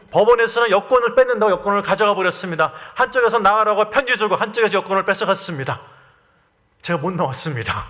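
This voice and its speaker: High bright-voiced male preacher. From Korea. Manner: earnest storytelling with rhetorical questions to the congregation. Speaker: missionary preacher. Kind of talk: sermon.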